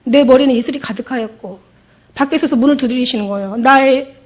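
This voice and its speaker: A woman's voice: sits high, brisk, darkish tone. A middle-aged woman pastor giving an emotional testimony sermon, acting out the voices in her story.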